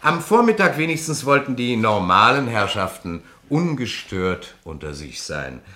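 An actor playing a shrewd, sardonic police detective in a German crime radio play, speaking in a deliberate, theatrical way. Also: male voice, mid-range voice, very animated, sharp tone. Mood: probing, needling.

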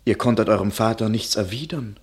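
A man's voice: fairly low pitch, brisk, slightly rough. An actor playing an earnest, protective countryman who pleads solemnly in classic German radio drama style. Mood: pleading. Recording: faint background ambience.

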